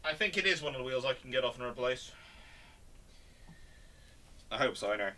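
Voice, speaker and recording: A man's voice: mid-range voice, expressive, fairly quick, pushed and bright, a little hiss or hum. A man hosting a casual live history question-and-answer talk, thinking aloud in a conversational way and posing questions to himself. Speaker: host, naval historian.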